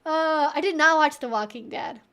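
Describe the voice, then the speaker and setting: A woman's voice: high-pitched, normal speed, fairly bright tone. A woman hosting a casual Q&A livestream, talking in a chatty, rambling way full of informal asides. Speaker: livestream host answering viewer questions.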